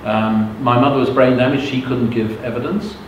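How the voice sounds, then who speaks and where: The audio is dull, catching a medium-pitched male voice with a steady tone and moderate pace. He is a middle-aged Englishman and native Russian speaker, narrating his life before a live audience as a motivational speaker, talking frankly and checking often that people follow along. It was recorded in a very echoey space with background noise.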